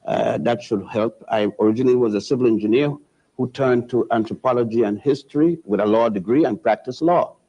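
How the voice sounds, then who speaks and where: An older man from Puerto Rico, a guest historian who lectures with halting restarts and spells words out letter by letter. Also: mid-range voice, mellow. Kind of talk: lecturing TV interview. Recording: dull lo-fi TV audio.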